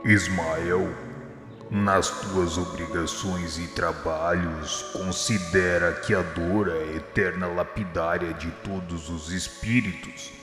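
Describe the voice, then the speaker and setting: A Brazilian man playing Jesus as a gentle, solemn divine spirit in a religious radio drama, speaking slowly in exhortation. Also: low-pitched, fairly even intonation. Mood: solemn, tender. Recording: long echoing reverb, music behind. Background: music.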